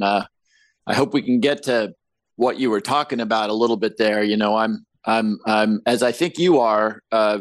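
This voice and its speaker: A man's voice: on the low side, no echo. A man who is a guest on an interview podcast, speaking earnestly with many restarts and repeated words. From born in Peru, grew up partly in Latin America. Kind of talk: conversational interview.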